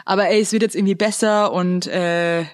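A woman co-hosting a podcast in casual chat, loud and playful, who swears a lot and breaks into theatrical rants. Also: medium pitch, steady tone, a little fast, no room sound, clean studio sound. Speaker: podcast co-host.

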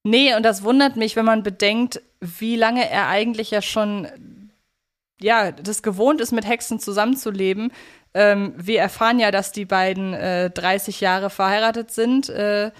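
A woman with a mid-pitched voice co-hosts a fan podcast. She talks in a casual, conversational way, discussing an audio drama series. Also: fairly even intonation, normal speed. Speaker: podcast co-host.

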